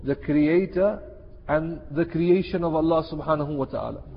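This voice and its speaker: A man's voice: on the high side, normal speed, vocal fry. A man preaching an Islamic sermon, emphatic and repeating key phrases, with Arabic and Urdu expressions mixed in. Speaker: Muslim preacher. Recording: muffled, reverberant hall sound.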